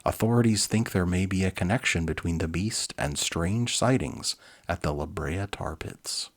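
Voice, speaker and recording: A man's voice: deep voice, normal speed. A man voicing a solemn television newscaster in a children's storybook, formal and reportorial.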